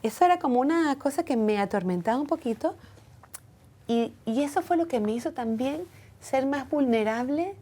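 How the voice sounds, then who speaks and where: A woman's voice: high-pitched, lively intonation, moderate pace, warm tone. A woman speaking earnestly and reflectively as a guest in a personal interview. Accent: foreign accent when speaking Hebrew. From from outside Israel.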